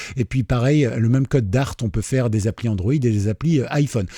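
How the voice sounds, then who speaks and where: A man with a dark, mellow, somewhat breathy voice at medium pitch speaks in a relaxed tone at a fairly quick pace with ordinary pitch variation, in a very clean, dry, close recording with a silent background and no echo. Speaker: webradio trainer and YouTuber. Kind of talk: casual talk to camera. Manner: conversational, relaxed, with filler words.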